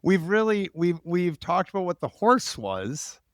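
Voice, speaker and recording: A man's voice: high-pitched, big pitch swings, measured pace, dry recording, clean studio sound. An American man hosting a casual interview, talking in a rambling, enthusiastic way with jokey asides. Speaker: podcast host, interviewer.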